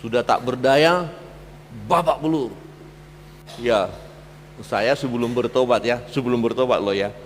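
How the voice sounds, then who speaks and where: A man preaching a sermon as pastor, swinging between loud emphatic peaks and low quiet asides. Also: a little slow, pauses often, in a large hall, a little hiss or hum. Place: church hall.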